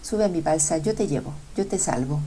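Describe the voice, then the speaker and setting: A woman voicing a kindly old man with a long beard in a spoken fable, gently and urgently beckoning with repeated words. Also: low voice, expressive, a little fast, a little hiss or hum.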